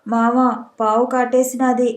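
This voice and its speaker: A woman's voice: on the high side, level tone, a little slow, close to an everyday voice. A woman voicing a frightened young village woman who is by turns defiant and pleading. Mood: tearful. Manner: tearful, pleading. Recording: echoey room.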